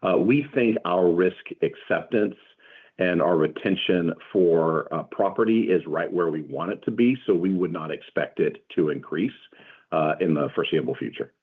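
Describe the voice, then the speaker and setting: A man answering questions as a company executive on an earnings call, in measured corporate explanation. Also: low-pitched, slightly rough. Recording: muffled phone-like conference call line.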